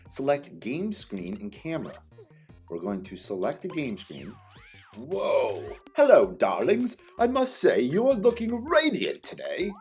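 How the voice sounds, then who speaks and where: A man's voice: medium pitch, darkish tone. A man reading lesson directions aloud as a teacher, with playful exclamations and casual asides. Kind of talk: animated read-aloud tutorial with casual asides.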